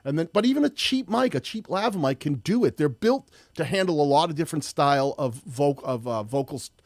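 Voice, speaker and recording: A man with a loud voice hosting a live-streamed tutorial, chatty and rambling with frequent restarts. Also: a little high, animated, fairly quick, no room sound, clean studio sound. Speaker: host.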